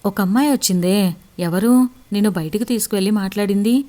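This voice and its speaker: A woman's voice: mid-range voice, a little fast, dark tone, close to an everyday voice. A woman narrator voicing an uneasy older man asking probing questions. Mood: suspicious.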